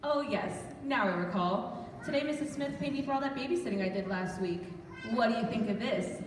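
A woman's voice: on the high side, brisk, close to an everyday voice. A woman playing a sarcastic, self-important teenage big sister in an amateur stage radio play. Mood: smug. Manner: dry, teasing. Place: church stage before an audience. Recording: echoey church hall, distant, faint noise.

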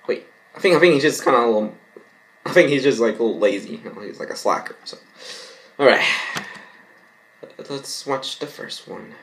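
A young adult man vlogs from his bedroom at home, reacting to fan fiction and reading it aloud in an amateur way, often stumbling over words. His mid-range voice is expressive and a bit bright, at normal speed with frequent pauses. There's a little hiss or hum.

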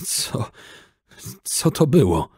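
A man voicing a wounded, battered army officer who speaks in a choked, rasping voice in an audiobook reading. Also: low-pitched, big pitch swings, unhurried, darkish tone, dry recording, studio quality, heavily acted. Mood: shaken.

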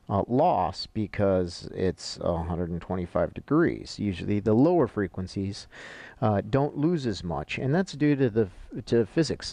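A man's voice: on the low side, gravelly, a little mellow, dry recording. A middle-aged man, an instructor explaining technical material informally and step by step, as if thinking aloud. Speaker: audio-visual instructor. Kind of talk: informal instructional explanation while annotating charts.

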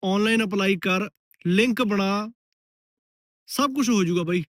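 A man talks straight at the listener in a blunt, lecturing way, like an older friend setting someone straight. His voice sits high for a man. The recording is dry and close, with no room sound. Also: a little slow, a bit bright, no room sound. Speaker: vlogger giving advice. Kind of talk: direct-to-camera advice talk.

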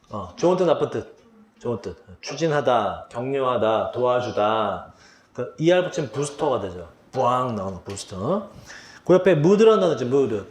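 Lively male teacher quizzing vocabulary. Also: mid-range voice. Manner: quizzing students, answering his own questions. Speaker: English teacher. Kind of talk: exam vocabulary lecture. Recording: echoey room.

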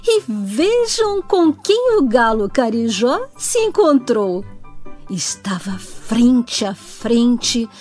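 A Brazilian woman narrates a children's story. She speaks slowly and very expressively in a fairly high voice, with music playing underneath. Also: big pitch swings, a little mellow.

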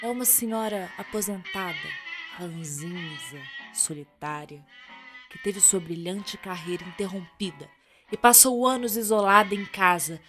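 A woman's voice: mid-range voice, over music. Brazilian woman narrating a radio drama. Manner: theatrical, with deliberate dramatic pauses.

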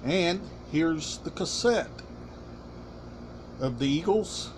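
A middle-aged man hosting a casual collection vlog, talking deliberately in short, halting, emphatic phrases. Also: a little high, lively intonation, a little hiss or hum. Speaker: collection channel host. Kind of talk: casual show-and-tell vlog. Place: small room indoors.

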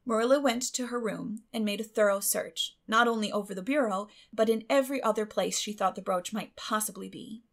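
A woman narrates a classic storybook. Her voice sits at a medium pitch with plenty of creak, and she reads in a scripted audiobook style. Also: fairly quick, hardly any pauses.

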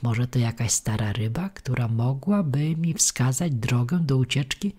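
A woman's voice: extremely low pitch, animated, unhurried, warm tone, slightly rough, full character voice. A woman voicing a frightened, tearful wooden puppet boy who pleads and frets in a storybook reading. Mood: eager. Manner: panicky, pleading.

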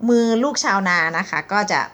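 A young woman, chatty and rambling as she gives a casual English lesson, reading phrases slowly and explaining them. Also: a bit bright. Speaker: English tutor. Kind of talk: casual vlog-style language lesson.

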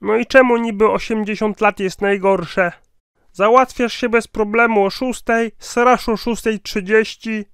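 A man's voice: high voice, fairly even intonation, unhurried, a bit bright, clean tone, no room sound. Man acting grumbly old man, seventies, muddled, plain-spoken, cartoon comedy, close dry sound. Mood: matter-of-fact. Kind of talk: cartoon comedy sketch dialogue.

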